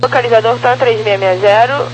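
Air traffic controller, clipped procedural phrasing, medium pitch, heard over lightly humming radio. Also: steady tone, moderate pace. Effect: aviation radio transmission. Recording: humming, noisy aviation radio.

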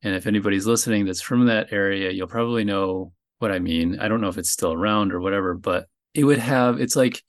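A man from New Jersey, a guest on a podcast, talking casually and haltingly, often pausing to find his words. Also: fairly low pitch. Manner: relaxed, hesitant, searching for words. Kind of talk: casual chat.

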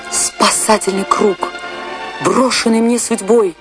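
A woman's voice: fairly high pitch, steady tone, slow pace, over loud music. An actress playing a passionate, lovestruck female dancer remembering her poet husband in a theatrical radio-play monologue. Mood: tender, elated. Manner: theatrical, lingering, rapturous delivery. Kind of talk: dramatic first-person monologue in a radio play.

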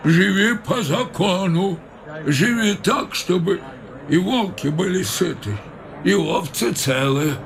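A pompous elderly official in a radio play, preaching with leisurely, drawn-out phrases. His pitch sits a touch high and swoops widely as he moralizes. A steady hiss runs behind the recording. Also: gravelly, exaggerated voice. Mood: lecturing. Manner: sententious, drawling, chuckling. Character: older male official, smug, moralizing mentor. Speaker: senior official.

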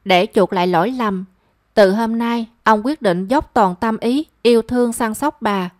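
A woman reading a romance story aloud as narrator, in a measured and expressive storytelling manner. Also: fairly high pitch, no echo, studio quality.

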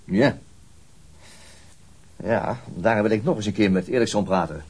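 An actor playing a weary, brusque and dogged police detective, talking conversationally in a radio crime drama. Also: male voice, on the low side, a little slow, a little mellow, breathy edge. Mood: insistent. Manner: brusque, world-weary, argumentative.

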